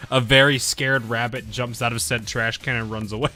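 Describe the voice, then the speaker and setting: A man's voice: mid-range voice, bright, forceful tone. A man streaming a game with casual commentary as he reads along. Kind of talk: casual gameplay commentary and dialogue reading.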